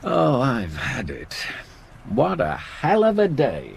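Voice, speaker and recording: Sardonic, exasperated husband for radio horror; mid-pitched, very expressive, slightly noisy recording. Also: male voice, takes it slowly, gravelly, heavily acted. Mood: weary, defensive. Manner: irritable, sardonic. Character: exasperated, sceptical, dismissive husband. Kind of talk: radio horror play acting.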